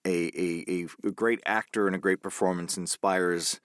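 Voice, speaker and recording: A man, an actor guest on a podcast, talking things through thoughtfully and haltingly. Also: deep voice, steady tone, clean tone, no echo. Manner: thoughtful, halting, many fillers and restarts. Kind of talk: casual interview chat.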